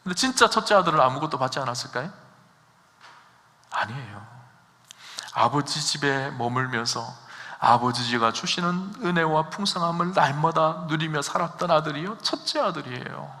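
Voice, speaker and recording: A man's voice: fairly high pitch, lively intonation, moderate pace, bright, forceful tone. A man preaching a sermon as pastor, asking his congregation questions and building to emphatic peaks. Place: church sanctuary. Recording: long hall reverb.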